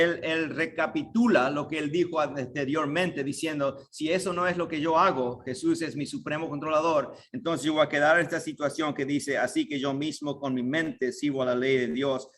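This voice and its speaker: A man's voice: fairly high pitch, fairly bright tone. A man preaching an earnest sermon to a congregation in a church, pressing his point with rhetorical questions. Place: church sanctuary.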